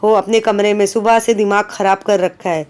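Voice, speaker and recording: A woman's voice: mid-range voice, fairly even intonation, normal speed, a little mellow, close to an everyday voice. A woman reading aloud as a stern, short-tempered old grandmother who scolds the girls in the house. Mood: angry. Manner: scornful, raised and scolding.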